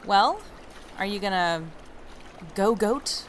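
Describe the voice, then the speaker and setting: A woman's voice: medium pitch, animated, slow, a little hiss or hum. A woman playing a feisty, blunt young woman, a protective best friend with a casual, sassy way of talking, in an audio drama. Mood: brisk, teasing.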